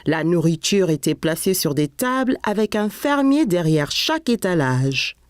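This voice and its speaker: A woman playing a gentle storyteller who narrates a children's cartoon in scripted storybook style. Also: on the low side, sing-song, normal speed, dry recording, clean studio sound. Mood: storytelling. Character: gentle storyteller narrating a small boy's day.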